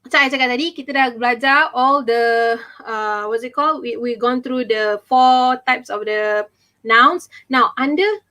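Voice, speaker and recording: A young woman with a Malaysian accent teaching an online English class, mixing in Malay and reading examples slowly with stress. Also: on the high side, bright, forceful tone. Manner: chatty, fills with "okay" and "ah". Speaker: English tutor.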